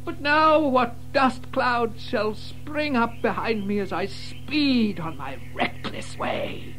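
A man playing a vain, reckless gentleman toad in a children's audio drama, grandiose and dreamy, savouring each phrase. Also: extremely high pitch, animated, slow, soft background music, full character voice, poor audio. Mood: rapturous. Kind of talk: full-cast children's audio drama acting.

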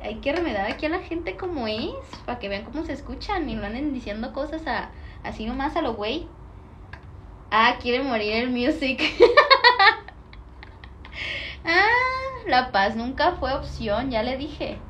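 A woman's voice: high voice, expressive, a little slow, long pauses, fairly bright tone, slight background noise. A young woman with a Mexican Spanish accent chatting casually on a livestream, reading viewer comments, slangy and playful, laughing often.

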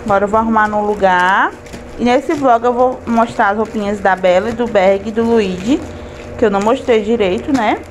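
A woman in her 20s from Fortaleza, Brazil, a family vlogger, chats casually into a handheld phone camera while unpacking groceries in her home kitchen, listing each item as she goes. Her voice is medium-pitched and her speed normal. A washing machine makes the home recording noisy.

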